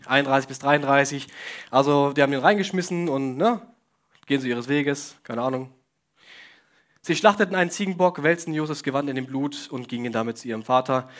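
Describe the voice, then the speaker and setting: A young man delivers a sermon in a relaxed, conversational way, pitched a little higher than most men. He keeps turning to his listeners with questions and wry jokes. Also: a little fast. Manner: casual, joking asides, questions to the audience. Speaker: preacher. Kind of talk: sermon to a congregation.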